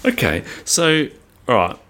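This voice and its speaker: A man's voice: mid-range voice, huge pitch swings, unhurried, sharp tone. A man co-hosting a podcast in casual comedic banter, with a wry, rambling manner. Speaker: podcast co-host.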